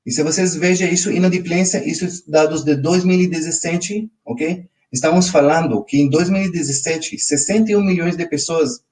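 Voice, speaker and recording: Running a live online finance session, a male financial coach from Israel, a native Hebrew speaker with an Israeli accent, speaks at a moderate pace with a fairly high pitch and hardly any pauses. He's full of energy and repeatedly prompts his viewers, often asking "ok?". The low-quality recording comes from a mic far away.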